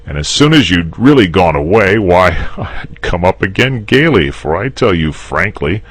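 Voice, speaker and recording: A fussy, coy dragon, as a husky man reads him. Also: low-pitched, very animated, normal speed, no room sound, voice pushed up, exaggerated voice. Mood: mild. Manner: wavering, testy, gently pleading. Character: mild, lazy male dragon, fussy and coy. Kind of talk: storybook reading.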